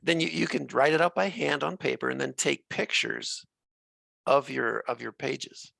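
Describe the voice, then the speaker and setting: A man's voice: mid-range voice, normal speed, gravelly, sharp tone, no room sound. A man moderating an online session, giving casual practical instructions.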